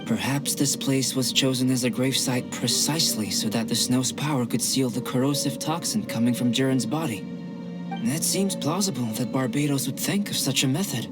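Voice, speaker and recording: An actor playing a calm, scholarly young male alchemist in a video game, speaking in a measured, formal way. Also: medium pitch, close to an everyday voice. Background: game music.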